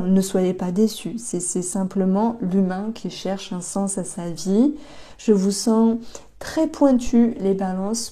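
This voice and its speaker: A woman giving an intuitive tarot reading for a star sign, talking slowly and reflectively with many pauses and hesitations. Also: medium pitch, dark tone. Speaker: tarot reader.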